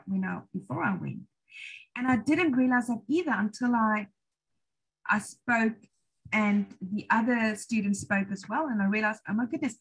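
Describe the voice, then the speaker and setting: Middle-aged South African woman, encouraging trainer, husky, video call. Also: fairly high pitch, poor audio. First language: English or Afrikaans. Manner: chatty, encouraging, self-deprecating. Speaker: IELTS trainer hosting a webinar. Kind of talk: webinar Q&A answers. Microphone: laptop video call.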